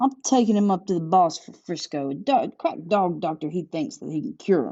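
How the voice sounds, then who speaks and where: A female-sounding voice at a middle pitch puts on a gruff, rumbling character voice at a moderate pace. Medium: read story. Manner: gruff, grumbling.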